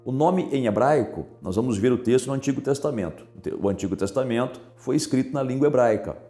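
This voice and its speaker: A man's voice: mid-range voice, expressive, a little fast. A man preaching a sermon as a pastor, speaking straight to his listeners and asking them questions. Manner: asks listeners direct questions. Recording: echoey room with soft music. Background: soft music.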